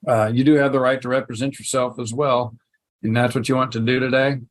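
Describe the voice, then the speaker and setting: Guy judge running a hearing, courtroom recording, medium pitch, short procedural questions. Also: level tone, a little fast. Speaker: judge presiding over a hearing.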